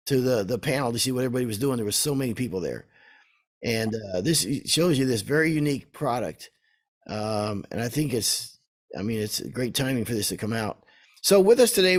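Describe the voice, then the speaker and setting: Man, hoarse, podcast co-host, casual banter, rambling, restarts sentences. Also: mid-range voice. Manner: rambling, self-interrupting.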